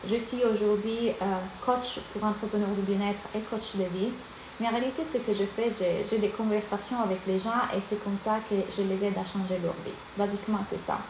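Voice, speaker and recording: An Italian life and business coach with an Italian accent speaks energetically and directly to viewers during a live-streamed masterclass. Her mid-range voice is fairly quick with fairly even intonation, in an echoey room with background noise.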